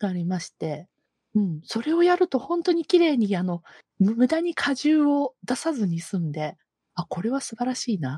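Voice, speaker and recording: A woman's fairly high voice with a dark, mellow tone, very wide pitch swings, and a dry, close sound with no echo. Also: moderate pace. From Hiroshima, Japan. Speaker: podcast host. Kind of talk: casual chat. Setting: at home near a window.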